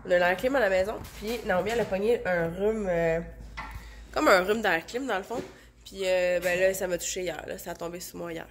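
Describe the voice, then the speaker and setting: In a slightly fast, low-leaning voice with faint hiss or hum, a Québécois woman in her thirties chats casually to camera at home on a handheld phone. She is a stay-at-home mom who vlogs, and her cold makes her sound nasal and blocked. She rambles, leaning heavily on fillers.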